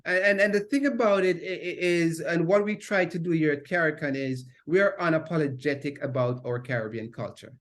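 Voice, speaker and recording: A middle-aged Jamaican man being interviewed, his voice sitting a little high for a man. He speaks with a Jamaican accent and works through his points with hesitations and restarts. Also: fairly quick, hardly any pauses. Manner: hesitant, many fillers and restarts. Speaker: conference director, guest. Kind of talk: interview conversation.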